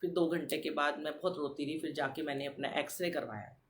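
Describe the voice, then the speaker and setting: A middle-aged woman hosting a devotional podcast, telling a personal story in an animated way and addressing the listeners directly. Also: low-pitched, fairly quick. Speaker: satsang podcast host.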